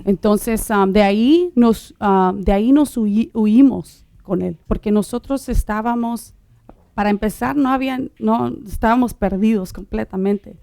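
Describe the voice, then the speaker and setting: A middle-aged woman born in Uruguay telling her personal testimony in conversation, halting, with many fillers and restarts. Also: mid-range voice, creaky, mellow, dry recording. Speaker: guest sharing her testimony.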